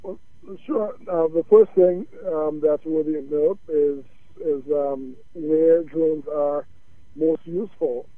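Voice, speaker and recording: A man being interviewed as a guest about his business, speaking haltingly with many fillers. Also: a little high, fairly even intonation, no echo. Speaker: guest, drone company founder. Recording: tinny dry phone line.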